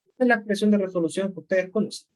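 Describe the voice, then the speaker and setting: A male chemistry lecturer gives an online class over a computer mic. His voice sits a little high for a man. He keeps stopping to ask his students whether they are following. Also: rapid-fire, darkish tone. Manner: explanatory, checks in with "¿ok?" and "¿no es cierto?". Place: remote class.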